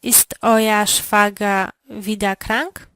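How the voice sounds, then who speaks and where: Female co-presenter, measured answers, dry close recording. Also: mid-range voice, fairly even intonation, a bit bright, dry recording. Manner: slow, clear answering in drills. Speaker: language lesson co-presenter. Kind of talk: language lesson answers.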